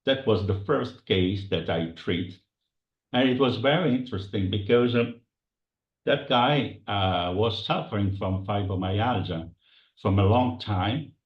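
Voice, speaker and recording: Slow, hesitant Italian-accented man. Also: fairly low pitch, reverberant, muffled recording. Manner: slow, hesitant, searching for words. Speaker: medical doctor and hypnotherapist. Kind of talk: interview answers.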